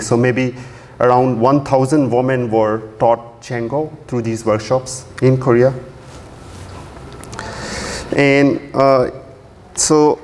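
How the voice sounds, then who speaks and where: Man, conference talk at a podium, mid-pitched voice, long hall reverb, faint background hum. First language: Urdu. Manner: relaxed, many fillers and restarts. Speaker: conference speaker. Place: large dark auditorium, at a podium.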